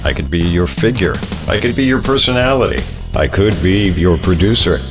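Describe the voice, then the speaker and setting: A middle-aged American man delivering scripted promotional narration in a polished announcer style, pitching himself as a voiceover and radio professional. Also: animated, normal speed. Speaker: voiceover artist and radio production director. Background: music bed under the voice.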